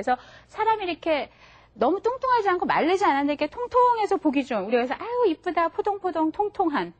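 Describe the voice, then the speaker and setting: Woman teacher, high and bright, lively and patient, models words for the class to repeat. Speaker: English teacher. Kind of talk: classroom lesson for adult learners. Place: TV studio classroom.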